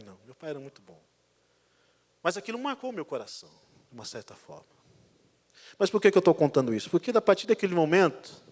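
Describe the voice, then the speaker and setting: A man, a pastor, preaching a sermon as a lively storyteller, swinging between loud and quiet passages. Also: on the high side. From Brazil. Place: church sanctuary. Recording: church hall reverb.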